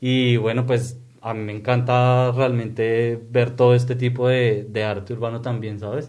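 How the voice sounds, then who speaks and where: A man at medium pitch speaks fairly slowly in a flat monotone with hardly any pauses, and the room echo is audible. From Colombia, Bogotá. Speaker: advertising professional. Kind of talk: casual chat. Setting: studio.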